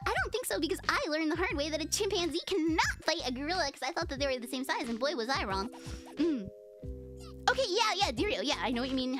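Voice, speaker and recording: A young woman VTuber chatting casually on a livestream, giggling and rambling with many fillers as she reads comments. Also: high voice. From United States. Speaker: VTuber streamer. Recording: music playing behind voice.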